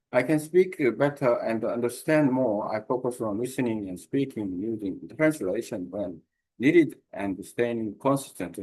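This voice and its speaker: A man learning languages who reads his study notes aloud in a careful, halting way with pauses. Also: medium pitch, darkish tone, rough recording.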